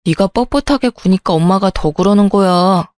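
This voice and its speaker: A woman's voice: medium pitch, normal speed, a little mellow, no room sound, clean studio sound, close to an everyday voice. A woman voicing a selfish young husband who talks offhandedly and brushes off complaints. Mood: lecturing.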